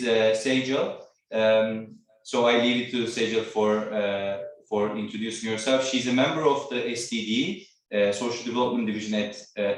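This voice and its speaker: Man from Turkey, trainer on a video call; halting, filler-heavy delivery, echoey and distant. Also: fairly low pitch. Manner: hesitant, many fillers. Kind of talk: online training presentation. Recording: echoey room, far from mic.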